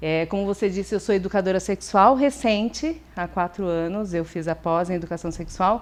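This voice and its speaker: A woman at a medium pitch speaks at a moderate pace with ordinary pitch variation. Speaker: sex educator and businesswoman. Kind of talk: casual interview. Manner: halting.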